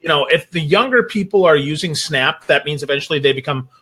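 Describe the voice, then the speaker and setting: A man's voice: a little high, a little fast, sharp tone, slightly rough. A man chatting casually as a talk show guest, enthusiastic and full of folksy exclamations. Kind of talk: casual panel chat.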